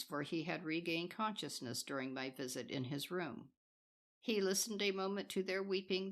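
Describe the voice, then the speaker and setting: A woman narrating a spiritual book aloud in a measured, solemn manner, reading from a script. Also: mid-range voice, creaky, fairly bright tone. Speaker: audiobook narrator.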